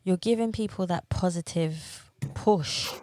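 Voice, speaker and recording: A woman's voice: on the low side, unhurried, darkish tone, no room sound. A woman hosting a podcast, asking long, rambling questions in an encouraging, casual interview style. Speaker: podcast host.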